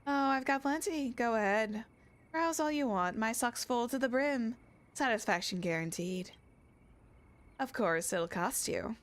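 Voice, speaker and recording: A woman's voice: a little high, lively intonation, measured pace. A woman voicing a sly, teasing young shady merchant in a game, with theatrical salesy delivery. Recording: music behind the voice.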